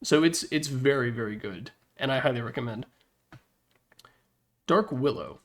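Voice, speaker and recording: A man's voice: medium pitch, expressive, moderate pace. A man presenting a ranking video with casual, opinionated commentary, informal and mildly profane, with wry asides. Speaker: presenter of a tier list slideshow video.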